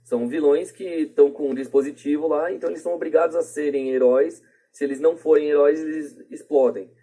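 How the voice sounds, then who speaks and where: Brazilian guy on a podcast, husky and kinda soft-toned, explains stuff casually with examples. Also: on the high side, steady tone, quick pace, rough recording. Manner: informal, explains through everyday examples. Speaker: podcast debate participant. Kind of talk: casual opinionated podcast discussion.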